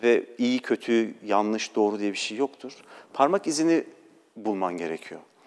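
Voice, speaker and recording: Lively intonation marks this man's medium-pitched voice as he speaks at a fairly slow pace. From Turkey. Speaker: actor; actor, interview guest. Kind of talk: TV interview. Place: studio. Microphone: lapel.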